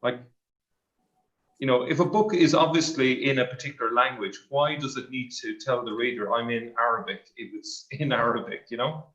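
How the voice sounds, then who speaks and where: A man's voice: mid-range voice, normal speed, a bit bright. A man on a live online discussion panel who reads out viewer comments and answers them tentatively. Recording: slightly dull lo-fi mic.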